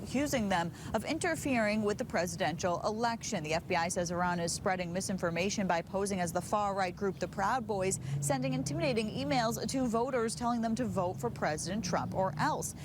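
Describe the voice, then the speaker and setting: Woman reporter over clear traffic noise. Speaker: news reporter. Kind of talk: scripted news report. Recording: clear traffic rumble behind voice.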